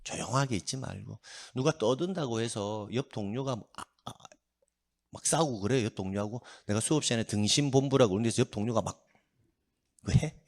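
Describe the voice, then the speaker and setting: A middle-aged man with a medium-pitched voice lectures on exam prep at a fairly quick, animated pace. He often asks questions and answers them himself, drills students to repeat key phrases aloud, and throws in joking asides.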